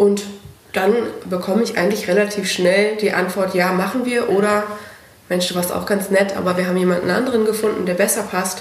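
A woman's flat, monotone delivery, with audible room echo and noticeable background noise. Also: medium pitch for a woman, fairly quick pace. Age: 30s. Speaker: wedding and funeral celebrant. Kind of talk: casual interview chat. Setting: at her home.

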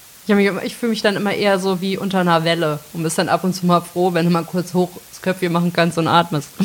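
A woman's very fast, flat, monotone delivery at a fairly low pitch, hardly any pauses, and noticeable background noise. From northern Hesse, Germany (Melsungen). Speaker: podcast co-host. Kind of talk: casual chat.

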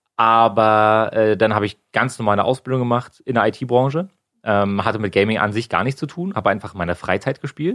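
A man talks fairly quickly in a plain, everyday voice at medium pitch with ordinary pitch variation. The background is quiet. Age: 20s. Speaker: gaming streamer and stage moderator. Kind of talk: casual chat.

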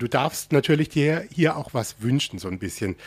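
On a very clean, silent-background recording with a dry, close sound and no echo, a man talks at a fairly quick pace with vocal fry. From Baden (southwest Germany). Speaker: podcast host. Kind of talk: casual interview.

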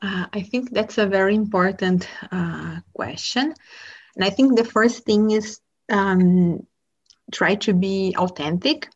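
A woman speaks at a medium pitch, somewhat breathy, at a very slow pace. The background is quiet. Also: ordinary pitch variation. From Brazil. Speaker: product and team leader, mentor. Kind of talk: interview. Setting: podcast recording. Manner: halting, with frequent fillers.

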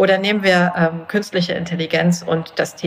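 Noticeable background noise sits behind a voice moving at a moderate pace with fairly even intonation. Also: woman. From Rostock, northeastern Germany. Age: 30s. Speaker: tech entrepreneur and product manager. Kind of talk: interview conversation.

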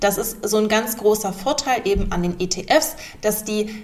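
A woman talks at a medium pitch and a fairly slow pace over noticeable background noise. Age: 30s. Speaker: self-employed investing educator. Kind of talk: interview about personal finance.

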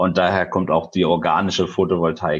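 A man's very deep, low-pitched voice. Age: 30s. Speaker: startup founder. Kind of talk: interview. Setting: video call.

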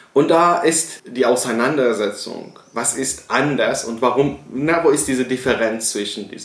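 Over noticeable background noise, a man at medium pitch talks at a moderate pace with hardly any pauses, ordinary pitch variation and big swings in loudness. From Iran. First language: Persian (speaking German). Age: 40s. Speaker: doctoral researcher. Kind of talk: interview. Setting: office. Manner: halting, many fillers and repetitions.

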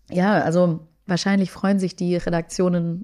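In a very clean recording with a silent background, a woman with a fairly low pitch and a dark, mellow tone speaks at a moderate pace with monotone, flat intonation. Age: 30s. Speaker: journalist. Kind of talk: interview.

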